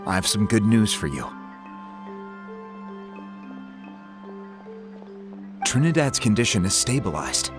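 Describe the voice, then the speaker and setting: A man playing a composed, earnest tribal chief in a fantasy video game, explaining things in a measured, formal way. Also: on the low side, very animated. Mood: reassuring. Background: game music.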